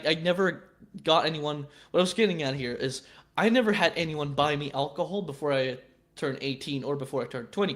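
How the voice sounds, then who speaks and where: A man's voice: a little high, a bit bright. A man in his twenties chatting casually on a live stream, rambling and swearing freely, with many stammered restarts. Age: 20s.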